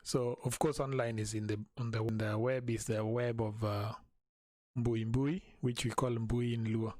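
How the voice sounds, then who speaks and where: A man teaching a language in a live stream, patiently repeating each phrase slowly for learners. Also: medium pitch, flat delivery, warm tone, dry recording, studio quality.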